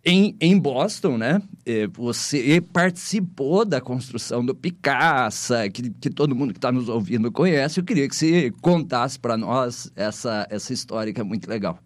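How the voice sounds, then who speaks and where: A man's voice: mid-range voice, animated, normal speed, hardly any pauses, dry recording. A man with a Brazilian accent hosting a casual podcast conversation, often checking in with little tag questions. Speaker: podcast host.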